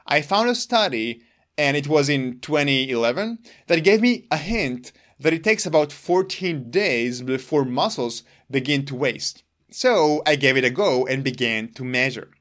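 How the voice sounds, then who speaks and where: A man whose first language is Hebrew talks straight to the camera about his own routine. His voice sits a little higher than most men's. He is earnest and deliberate, leaning on key words for emphasis. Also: fairly bright tone. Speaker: longevity vlogger. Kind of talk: explaining personal routine to camera.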